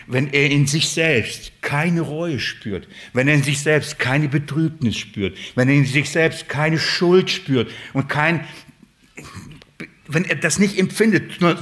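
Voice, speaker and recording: A man preaching a sermon, emphatic, swinging between loud and hushed, and asking the congregation rhetorical questions. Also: fairly high pitch.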